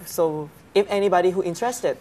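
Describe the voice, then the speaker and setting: A woman's voice: fairly low pitch, fairly quick, dark tone, rough recording. A woman interviewer asking a student about himself, encouraging and laughing easily. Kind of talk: casual interview. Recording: faint background noise.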